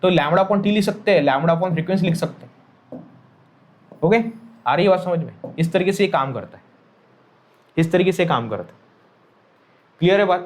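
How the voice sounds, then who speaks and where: High-voiced male physics teacher, repetitive. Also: expressive, moderate pace, long pauses. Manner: repeats key phrases, checks understanding often; mixes Hindi with English terms. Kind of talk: classroom lecture.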